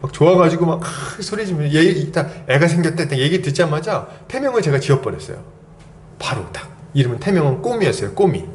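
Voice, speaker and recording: Lively, high-pitched male pastor preaching. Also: fast talker, slight background noise. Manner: lively storytelling with rhetorical questions. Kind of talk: sermon.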